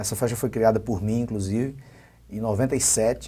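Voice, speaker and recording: The voice is a man's. It has a somewhat breathy quality. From Brazilian Northeast, interior of Paraíba. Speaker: comedian. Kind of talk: interview. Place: studio. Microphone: lapel.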